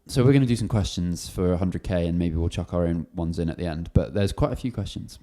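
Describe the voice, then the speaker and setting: A man's voice: low-pitched, warm tone. A man in his twenties, chatting casually and jokily as the channel host. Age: 20s. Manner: chatty, joking, fast. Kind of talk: casual Q&A chat.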